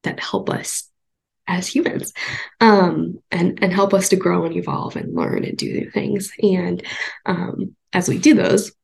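Congested young woman podcast host with a husky, gravelly voice, musing aloud and pausing often. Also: lowish voice, fairly even intonation, a little mellow. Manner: thoughtful, rambling, many ums and pauses. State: congested from a cold. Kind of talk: casual solo podcast talk.

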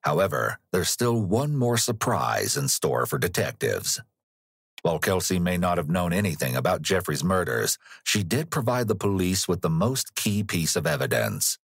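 A man narrating a crime podcast in a measured, explanatory scripted read. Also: deep voice, very animated, breathy edge, no echo, clean studio sound.

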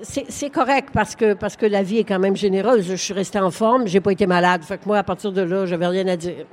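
At a live book fair, an older novelist with a Québécois accent talks openly during a conversational stage interview, laughing often and telling lively stories. Her voice is medium-pitched and a little fast.

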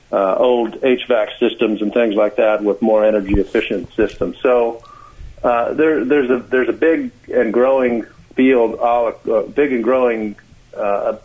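An American man explaining as a radio interview guest, calling in, with halting speech full of uhs and repeated words. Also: lowish voice, fairly even intonation. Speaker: interview guest, clean energy expert. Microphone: phone call. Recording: tinny, narrow phone line.

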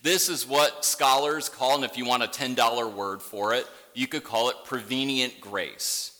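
A middle-aged male pastor, raised in the Upper Midwest, with an Upper Midwest accent softened by a Southern tinge, preaching a sermon in a gentle, conversational way. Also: medium pitch, moderate pace, big-room sound. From Michigan, Upper Midwest. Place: church sanctuary.

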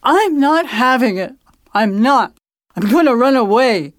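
A woman's voice: expressive, unhurried, dry recording, clean studio sound. A woman playing a frightened, defiant elderly woman with dementia in an audio drama, pleading in a tearful voice. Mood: distressed defiance. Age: older. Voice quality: high, tearful.

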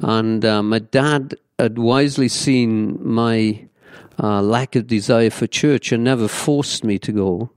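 A man's voice: medium pitch, steady tone, takes it slowly, darkish tone, dry recording, studio quality. A man in his seventies with a Welsh accent, a pastor telling his life story in an interview in an earnest, reflective way with many fillers. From Wales. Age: 70s.

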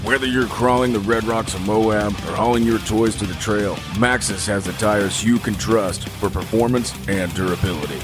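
A man reads a scripted ad in a steady, measured announcer style. His voice sits on the low side. Clear plucked guitar music plays behind him. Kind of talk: scripted radio ad read.

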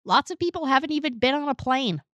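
A woman's voice: high-pitched, expressive, fast, fairly bright tone, no room sound. A woman co-hosting a podcast, talking casually and with firm opinions about a book. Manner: emphatic, opinionated, joking. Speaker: podcast co-host. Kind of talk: casual book-club chat.

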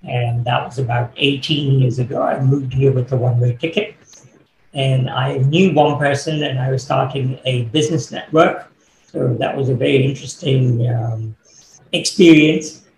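Middle-aged man, gravelly voice, thoughtful, roomy echo, faint hiss. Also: mid-range voice, fairly even intonation, a little mellow. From born in Kenya, grew up in the UK. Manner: thoughtful, fillers, measured. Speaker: guest, business coach. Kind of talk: interview answers. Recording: echoey room, faint background noise.

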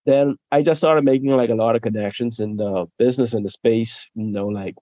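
A young man from the Bahamas, a podcast guest chatting casually, who laughs often and trails off softly at the ends of his sentences. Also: mid-range voice, steady tone, brisk, no echo, lo-fi sound. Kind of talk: casual interview chat.

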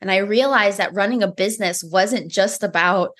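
A woman with a mid-range voice whose first language is Romanian talks as a guest on a podcast. She tells her story in an earnest, animated way and acts out her own inner thoughts. Her pitch sits right in the middle. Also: moderate pace. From United States. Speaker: mindset coach, guest. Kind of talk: conversational podcast interview.

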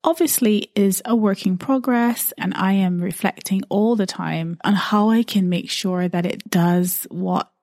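A woman's voice: mid-range voice, a little slow, few pauses, darkish tone, dry recording, clean studio sound. A woman from Barbados, probably in her thirties, hosting a podcast and talking about her life in an earnest, reflective way, often repeating words as she thinks. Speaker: podcast host.

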